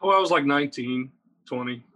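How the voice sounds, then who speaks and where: A man in his thirties from Virginia, talking as a guest in a casual interview, rambling and energetic with lots of fillers. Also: mid-range voice, brisk. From Virginia, USA. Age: 30s. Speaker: guest, metal guitarist.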